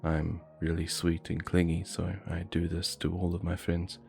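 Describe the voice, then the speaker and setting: A man narrating a scripted horror story in a measured, low-key way. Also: completely flat delivery, creaky, a little mellow, faint music behind.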